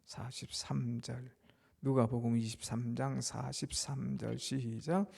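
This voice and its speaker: A male pastor preaching a Good Friday sermon, swinging from loud declarations to hushed whispers and leading the congregation in amens. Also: mid-range voice, steady tone, slow pace, creaky, breathy edge. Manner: leads the congregation in amens and responses.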